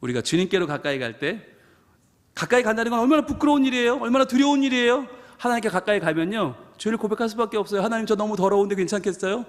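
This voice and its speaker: A man's voice: extremely high pitch, big pitch swings, quick pace. A man preaching a fervent sermon as pastor at a church prayer service, emphatic and full of repeated phrases. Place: church sanctuary at a live midweek prayer service. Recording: live church hall reverb with soft music.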